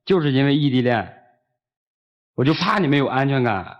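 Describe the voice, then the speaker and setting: A man's voice: medium pitch, lively intonation, a little fast, dull audio. A man from Liaoning, a guest who protests and defends himself against his girlfriend's complaints. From Liaoning, China. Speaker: guest on dating show.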